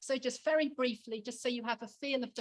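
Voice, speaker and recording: A woman speaks loudly at a high pitch. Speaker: archaeology lecturer. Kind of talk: conference lecture. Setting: conference hall with microphone.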